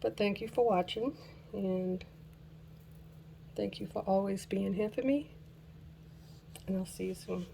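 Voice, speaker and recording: Craft vlog lady losing her voice, slow and relaxed, laughs at her own slips. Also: medium pitch, gravelly, slight background noise. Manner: laughs at her own mishaps, talks while working. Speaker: craft channel host. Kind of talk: casual craft tutorial chat.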